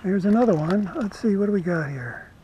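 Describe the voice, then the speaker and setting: Guy fishing off a kayak, kinda high voice, easygoing chat, light outdoor hiss. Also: brisk, dull audio. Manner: relaxed, chatty, talks to camera while fishing. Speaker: fishing vlogger. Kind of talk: casual fishing commentary. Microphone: head-mounted action camera.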